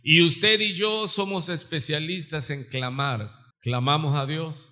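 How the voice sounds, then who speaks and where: Fervent pastor preaching in reverberant church. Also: male voice, fairly high pitch, steady tone, a little slow, bright, forceful tone. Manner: rising to fervent preaching, stressing words; addresses listeners as "hermano". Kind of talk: live Sunday sermon. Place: church sanctuary. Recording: live church recording with long reverb.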